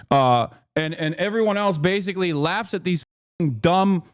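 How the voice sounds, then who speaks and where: A man hosting a livestream, giving sarcastic, profane, animated reaction commentary. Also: fairly high pitch, no room sound, studio quality. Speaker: livestream host.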